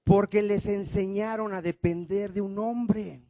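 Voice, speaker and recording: A male pastor with a high-sitting voice preaches a sermon, hurling rhetorical questions at the congregation and alternating between loud, emphatic lines and quiet ones. His tone is steady, his pace measured, and the recording has no echo.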